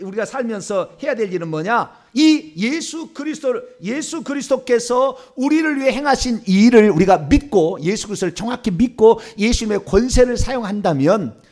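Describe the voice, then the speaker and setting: High, lively-voiced male pastor preaching. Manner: emphatic, swings between soft asides and loud commands. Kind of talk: sermon.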